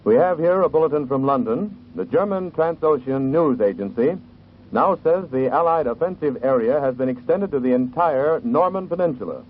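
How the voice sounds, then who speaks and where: A male newsroom announcer reads a bulletin in a measured, formal manner at a middle pitch. His voice comes through a tinny 1940s radio broadcast, narrow and phone-like. A faint hiss sits under the old recording. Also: lively intonation. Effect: old 1940s radio broadcast sound.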